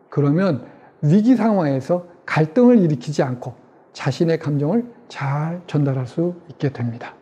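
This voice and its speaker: A man's voice: high-pitched, mellow, slightly rough. A middle-aged man teaching parents in a lecture, asking them questions and acting out everyday examples. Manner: asks the audience questions and acts out examples.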